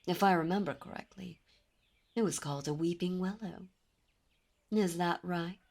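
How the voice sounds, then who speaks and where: A woman voicing a dominant, possessive demon princess in an ASMR roleplay, speaking in a silky, commanding way with soft whispers. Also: lowish voice, moderate pace. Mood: languid. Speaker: voice actor. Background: birdsong and ambient sound effects.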